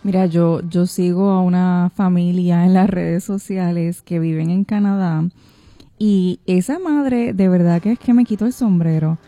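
A female radio host speaks in a mellow, warm tone, chatty and reflective. Soft music runs faintly behind her. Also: on the low side, unhurried, no echo. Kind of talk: talk radio hosting.

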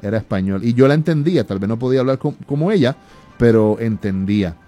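A male radio co-host talks in a mellow, dark voice, often pausing and restarting. Soft music sits faintly underneath. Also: medium pitch, animated. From United States. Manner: hesitant, many restarts and fillers. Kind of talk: casual talk radio.

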